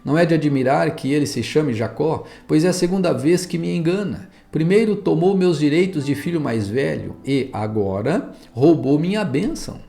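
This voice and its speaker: A wronged elder son pleads with a bitter edge , as a Brazilian pastor reads him, his voice climbing higher. The tone stays gravelly, with a Brazilian accent. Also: expressive, moderate pace, hardly any pauses, warm tone. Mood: pleading. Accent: Brazilian Portuguese.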